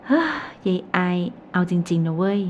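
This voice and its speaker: A woman reading an audiobook voices an excitable best friend who talks loudly and bluntly, full of crude slang and teasing. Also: lowish voice, normal speed. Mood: excited. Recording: slightly dull recording, faint hiss.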